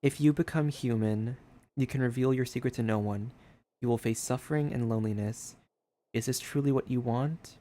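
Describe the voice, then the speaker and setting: A man streaming a story game reads the on-screen text aloud, then slips into casual, conversational commentary. His voice is average in pitch, warm, and at normal speed.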